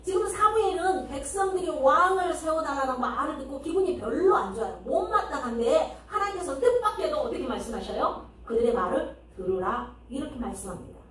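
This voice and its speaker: A woman's voice: high-pitched, very animated, brisk, few pauses, a little hiss or hum. A woman pastor preaching a sermon, talking to the congregation with rhetorical questions and acted-out quotes. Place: church sanctuary. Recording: echoey church hall, mic at a distance.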